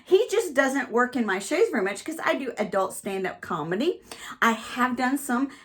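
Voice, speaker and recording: Chatty, high-voiced woman ventriloquist. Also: expressive, moderate pace. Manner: chatty, rambling. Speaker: ventriloquist and stand-up comedian. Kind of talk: casual puppet demonstration vlog.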